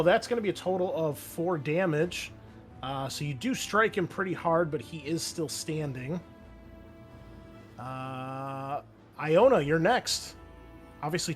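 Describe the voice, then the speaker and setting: A man running an online tabletop roleplaying game, explaining things in a casual way. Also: on the high side. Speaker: game master.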